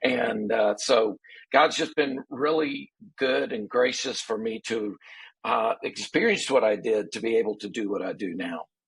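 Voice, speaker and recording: With a Southern US accent, a man talks at a fairly slow pace with lively intonation in a dry, close sound with no echo. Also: medium pitch for a man. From US Deep South. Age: 60s. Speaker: pastor. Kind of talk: podcast interview. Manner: halting, frequent uh fillers.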